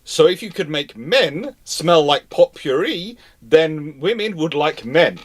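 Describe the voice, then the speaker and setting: A man's voice: fairly high pitch, very animated, slow pace. A man hosting a live stream, chatting casually and answering questions in a rambling, self-interrupting way. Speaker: host of a naval history live stream.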